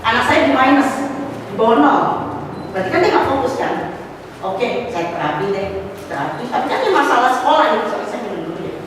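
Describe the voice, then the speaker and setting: Middle-aged woman telling her testimony, animated, a bit high, sounds far off in a big echoey hall. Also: fast, a little hiss or hum. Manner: animated storytelling, rising to exclamations; mixes in casual slang and english words. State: has a cough. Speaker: testimony speaker at a church fellowship. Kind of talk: personal testimony. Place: church hall.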